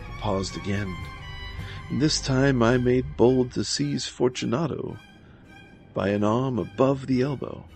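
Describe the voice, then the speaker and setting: Male gothic horror narrator: very slow, measured, dramatic, creaky low voice, soft music underneath. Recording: music behind the voice.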